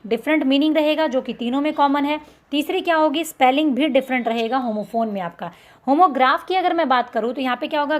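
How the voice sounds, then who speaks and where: A woman with an Indian accent giving an exam-prep lecture, mixing Hindi with English terms and answering her own questions. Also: sits high. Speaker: teacher.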